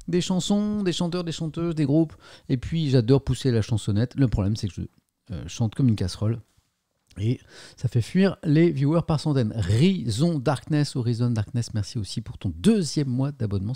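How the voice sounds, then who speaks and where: A middle-aged man hosts a casual livestream, joking around and thanking viewers as he goes. His voice is mellow and warm, sits at an ordinary pitch, and sounds dry and close to the mic. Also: no room sound. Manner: chatty, jokey, thanks subscribers, stumbles and repeats words. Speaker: livestream host. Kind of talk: casual livestream chat reading viewer messages.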